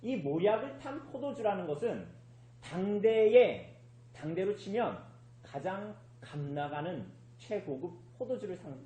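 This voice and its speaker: A man's voice: high voice, mellow, echoey room, slight background noise, poor audio. A man preaching a sermon as pastor in a church, who keeps asking the congregation questions and then answering them himself. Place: church sanctuary.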